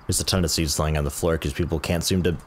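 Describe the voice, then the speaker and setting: A man casually chatting with a friend while playing a co-op game, relaxed and muttering as he sorts items. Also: extremely low pitch, fast talker, slight background noise. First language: English. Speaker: gaming channel host. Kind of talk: casual co-op gameplay chat.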